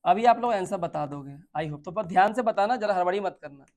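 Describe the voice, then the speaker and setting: A man with an Indian accent teaches grammar for exams in a high-sitting, darkish voice with lively intonation. He circles back over points, asks his students questions, and reads English sentences slowly, one word at a time.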